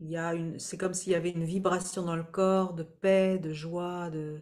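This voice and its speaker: Against a quiet background, a woman speaks at a fairly low pitch with fairly even intonation. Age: 50s. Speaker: spiritual teacher and psychotherapist; spiritual teacher interviewed. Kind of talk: interview. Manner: halting. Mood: calm, reflective. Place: home room.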